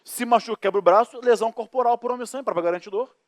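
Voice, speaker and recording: A Brazilian-accented man teaches criminal law in a recorded studio course. His voice sits fairly high for a man and comes across dry and close. He jokes, acts out little scenes and keeps asking the class rhetorical questions. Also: racing, no room sound. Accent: Brazilian Portuguese. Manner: lively, joking, acts out anecdotes and asks rhetorical questions. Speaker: law lecturer.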